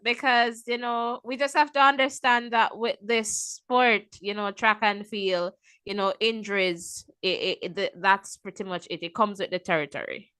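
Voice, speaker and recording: A Jamaican woman hosts a call-in show and talks with her callers in a relaxed, friendly way. She leans on fillers and hesitations while she thinks. Her voice is bright and forward, sitting mid-range for a woman. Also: mid-range voice, moderate pace, clean tone, dry recording. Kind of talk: casual call-in chat.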